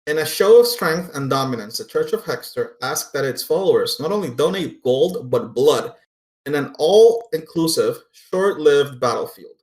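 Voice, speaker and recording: A man's voice: fairly high pitch, lively intonation, moderate pace, darkish tone. A man running a tabletop role-playing game as game master, narrating in a casual, sweary way. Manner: casual, profane. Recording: roomy echo, faint music behind.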